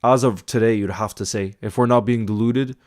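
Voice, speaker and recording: A man's voice: fairly low pitch, steady tone, a little fast. A man hosting a casual football live stream, answering viewer comments in a chatty, thinking-aloud way with small restarts.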